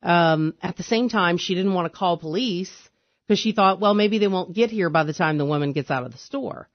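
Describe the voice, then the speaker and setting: A man hosting a radio call-in show, talking in a smooth, easy host manner and agreeing along with his guest. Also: sits high, no echo. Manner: smooth, conversational, quick to agree. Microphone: studio microphone. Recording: dull, dry radio studio sound.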